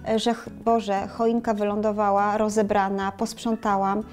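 A young woman co-hosting a casual chat, candid and expressive, on a lapel mic in a bright room. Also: medium pitch, moderate pace, faint music behind. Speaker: co-host.

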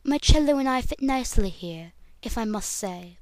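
Lady doing a posh proud cartoon pony cellist, highish smooth voice, very formal. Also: expressive, normal speed, darkish tone, dry recording, natural voice. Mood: poised, proud. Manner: poised, haughty, formal.

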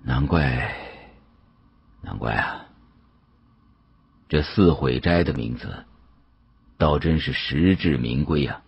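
A man voicing a shrewd, amused older male official with a husky voice and a measured, knowing manner in an audiobook. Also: extremely low pitch, muffled recording, pitched below the performer's own voice, full character voice. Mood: pensive.

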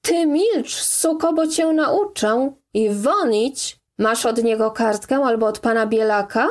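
A woman voicing a coarse, hostile man who shouts insults in a raised, bullying voice. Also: a little high, steady tone, a little slow, lightly acted.

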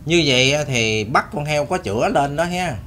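A man with a Southern Vietnamese accent tells a story to his listeners in a loose, homespun manner, circling back over his own phrases. His voice sits a little higher than most men's, and a faint hiss runs under it. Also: animated, moderate pace, a bit bright. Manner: rambling, repetitive folksy telling with many restarts. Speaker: storyteller host. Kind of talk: casual spoken storytelling to an audience.

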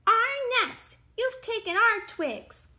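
A woman's voice: very high voice, slow, bright, forceful tone, voice pushed up, exaggerated voice. A woman voicing indignant, panicked hens and birds in a storybook, squawking and clucking. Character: panicked, indignant farmyard chickens and angry birds.

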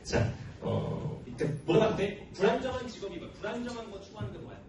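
A man's voice: sits high, quick pace. A man in his early forties, a cram school teacher, answering students' questions informally in a playful but earnest manner. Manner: playful, joking, earnest, often laughing. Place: large classroom with students. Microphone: handheld microphone, filmed by tripod camera at back. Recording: roomy classroom, distant mic, noisy.

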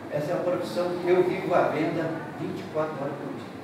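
A man's voice: a little high, fairly even intonation, fast. A middle-aged man from southern Brazil gives an emotional, repetitive speech at a ceremony, speaking from the heart and gesturing broadly. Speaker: real estate broker giving a speech. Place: large indoor hall. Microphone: distant room mic. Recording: echoey hall, distant mic, noisy.

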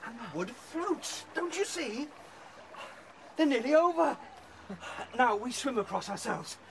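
A clever rabbit in a radio drama. He is eager to explain, in a high, lively voice with faint ambience behind. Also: a little slow, vocal fry, a little hiss or hum, exaggerated voice. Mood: excited.

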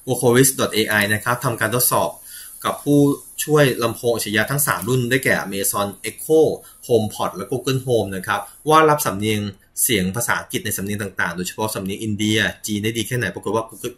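Male tech news host, a little low, casual and chatty, reads items and replies to comments. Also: fairly bright tone. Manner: reads news items with filler particles and quick laughs.

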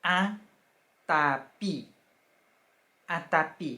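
Female language teacher, patient and polite, slow drilled repetition, bright tone. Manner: slow, careful repetition of each word; polite, ends phrases with soft particles. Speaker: French teacher. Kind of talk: vocabulary lesson.

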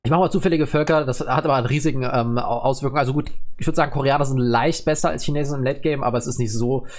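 Playing a strategy game on his own gaming channel, this man rambles casually with plenty of fillers and restarts. He talks very fast, at a medium pitch, with a slightly mellow quality.

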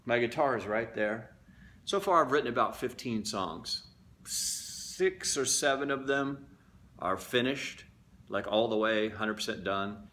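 A man's voice: mid-range voice, lively intonation, a little slow, sharp tone. A man talking casually and candidly to his viewers, reflective and confessional. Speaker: vlogger. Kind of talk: casual talk to camera.

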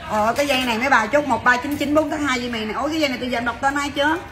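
A woman selling jewelry on a livestream, chatty and brisk, calling out to viewers. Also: high voice. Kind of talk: fast livestream sales patter. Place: jewelry shop.

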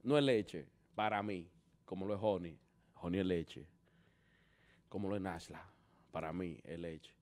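A man giving loud, joking opinions as a panelist on a casual entertainment show. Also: sits low, measured pace, long pauses.

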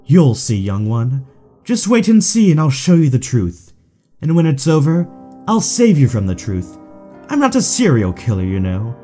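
A man acts out a smug, aristocratic audio drama villain with a mellow tone. His pitch swoops theatrically as he taunts and condescends, with music playing underneath. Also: huge pitch swings, moderate pace. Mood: gloating, sweetly cruel. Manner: mocking, drawling, condescending.

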